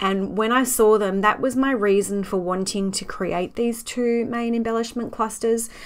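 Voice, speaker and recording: A woman in an Australian accent speaks at a moderate pace and fairly high pitch, with fairly even intonation and hardly any pauses. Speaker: scrapbooking youtuber. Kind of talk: voiceover tutorial. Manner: casual, conversational.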